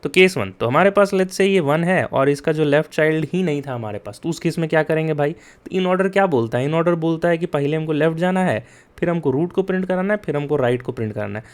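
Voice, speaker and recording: A young coding tutor gives a casual spoken lesson, speaking slowly and deliberately with a fairly high, clean voice and lively intonation. He mixes Hindi and English, chats with frequent "yaar" and "theek hai?", and addresses his students directly, checking in often and urging them to take notes.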